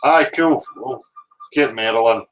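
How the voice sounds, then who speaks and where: Northern Irish man, slow musing host. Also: medium pitch, fairly bright tone, poor audio. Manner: rambling and reflective, with casual swearing. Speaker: live-stream host. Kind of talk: casual live-stream monologue.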